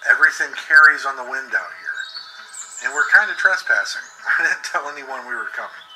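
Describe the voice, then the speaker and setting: Coaxing, secretive boyfriend on a caving trip , played by a male narrator, mid-pitched, noisy horror story recording. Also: lively intonation, fairly quick, lightly acted. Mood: placating, nervous. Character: eager, placating, secretive wealthy boyfriend, a cave explorer. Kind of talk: audio horror story character.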